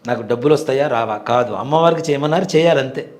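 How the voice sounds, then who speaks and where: A man's voice: medium pitch, fast. A man in his forties, a temple priest, earnestly telling a devout personal story in an interview. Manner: earnest, devout, vivid retelling.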